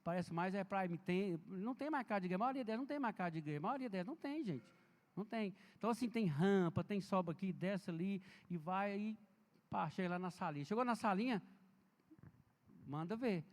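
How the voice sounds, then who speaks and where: A man with a notably high voice gives a chatty, story-filled seminar talk, speaking directly to the listeners. His voice rings with a long reverb off the walls of a large church hall. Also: expressive, fairly quick. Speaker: health and safety speaker. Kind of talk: informal seminar lecture.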